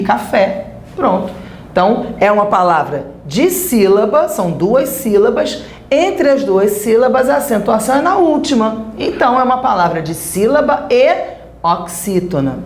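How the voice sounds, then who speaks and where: A woman's voice: fairly high pitch, reverberant. A woman with a Brazilian Portuguese accent, teaching a recorded grammar lesson and checking in with the class as she explains.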